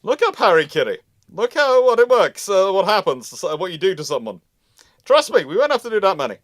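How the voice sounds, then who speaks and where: Man, slightly high voice, dry close sound, casual discussion host, repeats himself often. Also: sing-song, a little fast, a bit bright, no room sound. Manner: repeats and restarts phrases often. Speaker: host of a naval history live Q&A. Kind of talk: casual panel discussion, answering viewer questions.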